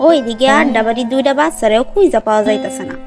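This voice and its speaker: A woman's voice: fairly high pitch, very fast, music in the background, lightly acted. A woman playing a worried older village auntie in a cartoon, colloquial and fretful, with a rural Bangladeshi accent. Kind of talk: cartoon dub.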